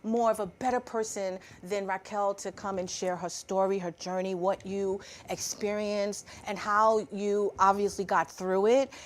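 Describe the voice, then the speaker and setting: A woman's voice: mid-range voice, steady tone, a little slow, few pauses. A woman hosting an interview, chatty and encouraging in a casual way. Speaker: host. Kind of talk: interview conversation.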